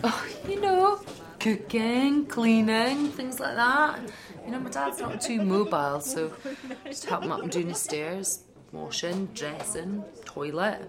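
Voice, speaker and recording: A woman's voice: on the high side, expressive, measured pace, a crowd in the background. An actress playing a tired middle-aged Scottish wife and mother who looks after her father, harried and shrugging off concern. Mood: weary, joking. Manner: harried, brushes off concern, self-deprecating. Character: worn-out wife, mother and carer for her dad.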